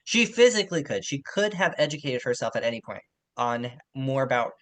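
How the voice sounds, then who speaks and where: Man, average pitch, podcast co-host, casual literary discussion, opinionated, informal, wry. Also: very animated, brisk, fairly bright tone.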